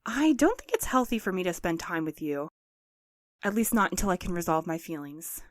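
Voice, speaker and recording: A woman's voice: fairly low pitch, very animated, a little fast, dry recording, studio quality. A woman playing an earnest, reserved courier in an audio drama, choosing her words carefully and diplomatically. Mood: guarded, hurt. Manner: careful, formal, conciliatory. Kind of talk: audio fiction acting.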